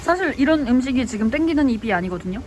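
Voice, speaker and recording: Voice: high-pitched, lively intonation, quick pace, a little hiss or hum. A vlogger talking casually to camera while eating in a cafe, venting frustration in a chatty way. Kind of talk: casual vlog monologue.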